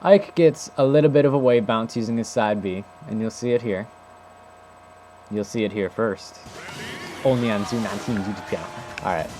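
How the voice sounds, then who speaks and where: A man's voice: fairly low pitch, moderate pace, dark tone. A man giving casual, improvised commentary as he demonstrates techniques in a video game, thinking aloud in an informal way. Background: music.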